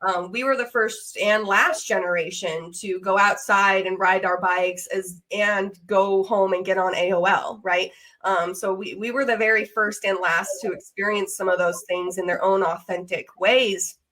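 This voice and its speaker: An American woman in her thirties talking conversationally on a podcast, with an emphatic, expressive manner. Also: mid-range voice, moderate pace, hardly any pauses, low-quality recording.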